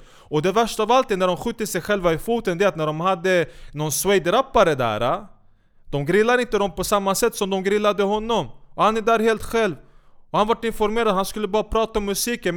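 A man with a high, smooth and resonant voice launches into an angry rant. He swears constantly and mocks his targets with biting sarcasm, scolding them as if they were right in front of him. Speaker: commentator. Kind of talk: heated profane rant.

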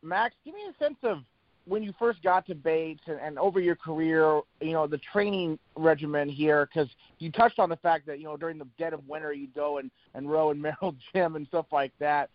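A man's voice: fairly high pitch, fairly quick, no room sound. A man hosting a college sports podcast, asking his guests questions in a conversational way. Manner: conversational, leads with recollections. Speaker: podcast host. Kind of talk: interview questions. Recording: dull lo-fi audio.

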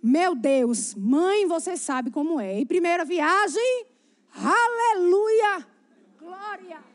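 A woman preaching, her voice set high and bright. She tells her sermon as a chatty, animated story and keeps turning to speak directly to the congregation. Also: slow.

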